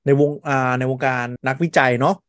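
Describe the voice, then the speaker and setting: Fast-talking man in casual tech chat. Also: medium pitch, fairly even intonation, dry recording, studio quality. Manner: quick, blunt, slangy banter. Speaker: podcast co-host.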